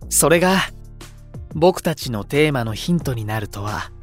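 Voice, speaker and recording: A man playing an unruffled, poetic young younger brother in a voice drama, elegant and gently persuasive. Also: medium pitch, lively intonation, moderate pace, soft background music, close to an everyday voice. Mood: coaxing. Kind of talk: Japanese voice drama acting.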